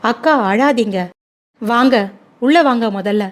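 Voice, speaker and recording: A woman's voice: on the high side, measured pace, natural voice. Woman voicing an earnest young neighbor woman. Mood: pleading. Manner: earnest, pleading. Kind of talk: storybook dialogue.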